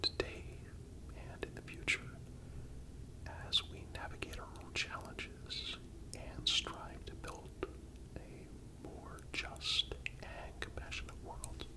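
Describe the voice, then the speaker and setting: Whispered, breathy ASMR narrator. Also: rough recording. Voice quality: breathy unvoiced whisper throughout. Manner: calm, measured, deliberate phrasing. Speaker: narrator and channel host.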